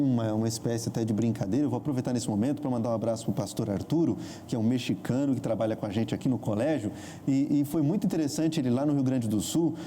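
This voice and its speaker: A Brazilian host with a mid-range, very mellow, dark voice moderates a studio talk show. The host nudges guests along with questions and steady "uhum"s. Faint noise hums behind the voice. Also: medium pitch. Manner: encouraging, frequent backchannel "uhum", questioning.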